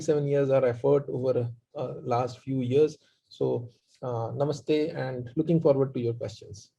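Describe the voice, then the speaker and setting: A man with an Indian accent explaining his work as a panelist in a halting, presentational way. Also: a little high, gravelly, mellow. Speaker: panelist, community organizer. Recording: dull, muffled online-call audio.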